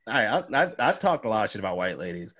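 A young man co-hosting a podcast, chatting casually, swearing a lot and jumping into high-pitched voices when he quotes people. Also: big pitch swings, quick pace, fairly bright tone. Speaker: podcast co-host. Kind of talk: casual chat.

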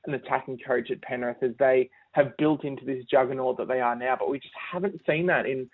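A man joins the show as a sports journalist over a tinny phone line. He talks in a measured, thoughtful way. His voice is dry and narrow-band. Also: mid-range voice, fairly even intonation, dry recording. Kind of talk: radio phone interview.

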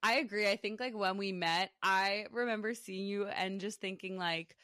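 A young woman in her twenties hosting a casual podcast chat, rambling with plenty of fillers and quick laughs. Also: medium pitch, sharp tone, no room sound. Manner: chatty, lots of fillers and laughs. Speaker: podcast host.

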